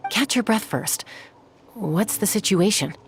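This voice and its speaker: A woman's voice: medium pitch, expressive, unhurried, gravelly, slight background noise. A woman playing a composed, level-headed tribal peacekeeper in a video game, speaking matter-of-factly.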